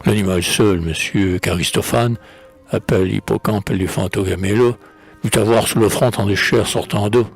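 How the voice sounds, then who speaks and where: An actor playing a proud, witty, mocking swordsman in a hammy, theatrical verse recitation, with a husky, gravelly voice. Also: on the low side, steady tone, normal speed. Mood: playful, theatrical. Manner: hammy stage-actor declamation, switching tones with relish. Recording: music playing under the voice.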